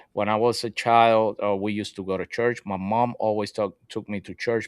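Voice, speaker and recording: A man with a Puerto Rican accent speaks at a moderate pace with a fairly low pitch and monotone, flat intonation. The sound is dry and close with no echo, over a quiet background. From Puerto Rico. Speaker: gaming live-streamer. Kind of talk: interview conversation. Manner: halting, many repetitions.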